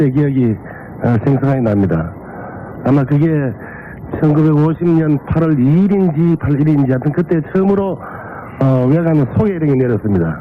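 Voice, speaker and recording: Against noticeable background noise, a man with a fairly high pitch keeps his loudness very even and leaves long, frequent pauses. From South Korea, Chilgok (Waegwan), North Gyeongsang. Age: 50s. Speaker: local agricultural cooperative manager. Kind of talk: interview testimony. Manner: hesitant, many fillers.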